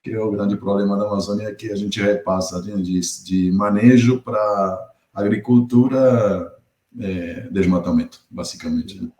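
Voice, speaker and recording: A middle-aged Argentine man with a deep, mellow voice, talking as a guest on a podcast. He speaks in a measured, thoughtful way and often pauses to find his words. The room around him is noticeably echoey. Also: steady tone. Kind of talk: podcast interview.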